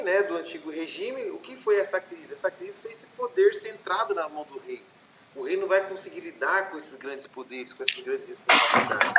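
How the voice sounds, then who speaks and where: A man's voice: high-pitched, roomy sound. A Brazilian man with a Brazilian Portuguese accent, a history teacher giving an online class in an explanatory way, with many fillers and tag questions. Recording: noisy online class audio with clicks.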